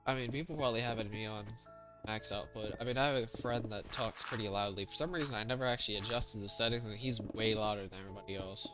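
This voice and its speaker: A man with a fairly low, quiet voice chats casually on a livestream, with music clearly playing behind him. He is soft-spoken and rambles hesitantly, putting little effort into projecting. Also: fast. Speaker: game streamer. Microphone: close gaming mic with high gain.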